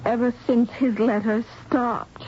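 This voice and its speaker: A woman's voice: on the high side, steady tone, a little slow, natural voice. An actress playing a shaken but determined heroine in a 1970s radio drama, emotional in her delivery. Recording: muffled noisy old radio recording.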